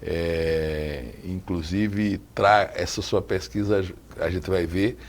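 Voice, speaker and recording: Talk show host, man in his sixties, gravelly, chatty, studio interview. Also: deep voice, steady tone, takes it slowly. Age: 60s. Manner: chatty, restarts often, asks follow-up questions. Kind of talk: casual interview chat.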